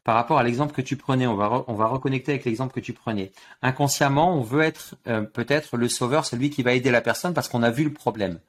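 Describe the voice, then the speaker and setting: A man's voice: medium pitch, fast, hardly any pauses. A man, a guest coach in an interview, explains his ideas with analogies and often repeats words as he builds his point. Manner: animated teaching with sports analogies, repeats words.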